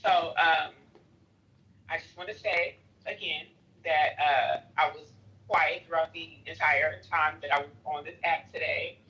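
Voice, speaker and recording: Bright, confrontational African American voice. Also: mid-range voice, steady tone, measured pace, lo-fi sound. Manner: emphatic, confrontational, profanity-laden. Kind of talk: heated argument on a live audio chat app.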